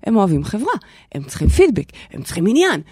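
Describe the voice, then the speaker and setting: A woman co-hosting a casual radio talk show, an animated and expressive storyteller speaking into a studio microphone. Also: medium pitch, slightly rough, no echo. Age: adult mother.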